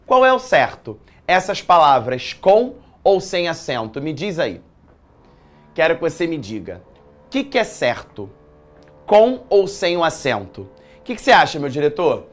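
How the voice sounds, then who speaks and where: A man with a Brazilian accent teaching a live online exam-prep writing class from a studio, chatty and lively, quizzing his viewers with slangy asides. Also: on the high side, a little slow. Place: studio in a commercial building.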